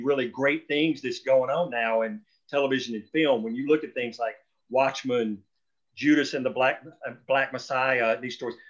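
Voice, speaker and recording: Guy rambling with strong opinions, casual chat on a call, muffled lo-fi sound, middle pitch. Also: a bit bright. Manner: opinionated, emphatic, rambling, swears. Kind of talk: casual discussion on a group call. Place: group video or phone call. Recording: dull, lo-fi call audio.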